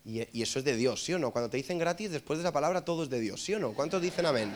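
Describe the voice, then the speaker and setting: A man with a Madrid accent preaching through a funny story, animated and joking, asking listeners for amens. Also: a little high, racing. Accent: Madrid Spanish. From Spain. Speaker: preacher and musician. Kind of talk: humorous storytelling sermon.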